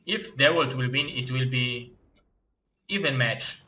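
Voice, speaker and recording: Excitable Russian-accented game caster. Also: male voice, medium pitch, rough recording. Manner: excitable, halting non-native phrasing with restarts. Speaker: esports caster and tournament host. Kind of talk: live game commentary.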